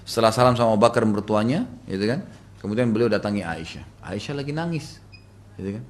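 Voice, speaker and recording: A male preacher giving a religious study lecture, telling a story in a relaxed, conversational way with casual filler words. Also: fairly low pitch, quick pace, slight background noise.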